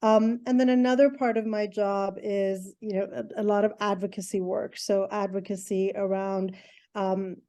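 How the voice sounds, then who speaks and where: A woman's voice: medium pitch, mellow. A middle-aged woman from Iran, an educational therapist answering interview questions thoughtfully, with many ums and restarts.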